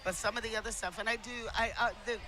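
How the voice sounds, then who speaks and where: A man's voice: sits high, steady tone, rapid-fire. A man hosting a live outdoor event with casual, emphatic commentary, repeating phrases for stress. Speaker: parade broadcast host. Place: outdoors at a parade. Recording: prominent music behind live outdoor broadcast.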